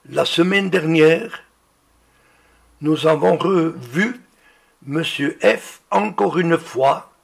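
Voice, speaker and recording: A man preaching a sermon, reading out healing testimonies in a slow, deliberate way. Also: fairly high pitch, creaky.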